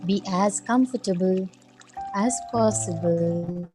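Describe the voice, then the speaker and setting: Female meditation guide, unhurried delivery, soft soothing tone, long pauses, faint music underneath. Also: mid-range voice.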